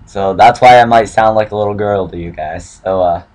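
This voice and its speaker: A young man with a cold and a hoarse voice, hosting casual gaming commentary while opening card packs, swearing and swinging from mumbling to excited shouts. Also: lowish voice, a little fast. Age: young adult. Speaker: gaming channel host.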